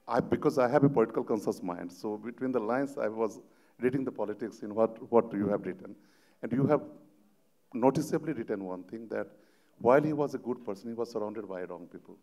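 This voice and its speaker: A man interviewing an author on a festival stage, halting and repeating words as he asks long questions. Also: lowish voice, vocal fry, warm tone. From Madhes, Nepal. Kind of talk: literary panel interview.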